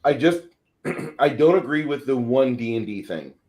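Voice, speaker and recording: A man's voice: mid-range voice, animated, moderate pace, a little mellow. A man in his forties co-hosting a casual livestream, talking bluntly and swearing freely. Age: 40s. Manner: blunt, profane. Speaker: show co-host.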